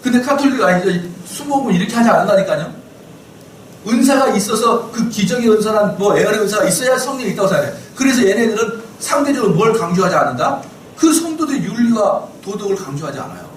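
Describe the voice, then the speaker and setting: Fast and high-voiced, a middle-aged male pastor gives a Bible class lecture in a church lecture hall. He challenges listeners with rhetorical questions and animatedly acts out quoted people. Recorded from a distance and off-mic, the echoey hall adds faint hiss.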